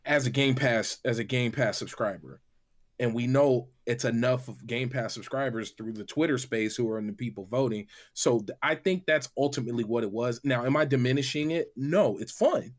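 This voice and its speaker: A man's voice: medium pitch, normal speed. A man talking casually and giving his opinions as a panelist on a gaming show.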